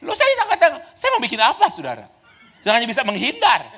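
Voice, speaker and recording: A male pastor, preaching a lively sermon full of stories. He swings between loud exclamations and soft asides and laughs often. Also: extremely high pitch, fast, husky. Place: church.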